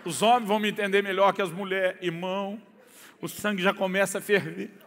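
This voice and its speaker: Brazilian pastor, middle-aged man, comic sermon story, high-pitched, lively delivery, echoey church hall. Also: a little fast. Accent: Brazilian Portuguese. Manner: animated, swings from quiet asides to near-shouting.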